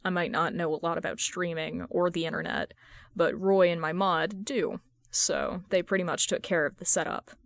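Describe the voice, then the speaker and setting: A woman's voice: on the low side, fairly even intonation, moderate pace, vocal fry, no room sound. A woman reading the part of a bashful, earnest young man who streams, casual and mildly defensive, in an audiobook story. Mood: modest.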